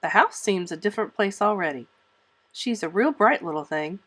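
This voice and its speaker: A woman reading as a stern older woman, storybook character, dry, curt, resolute, medium pitch. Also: animated, normal speed, a bit bright. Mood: frank, composed. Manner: dry, curt, matter-of-fact.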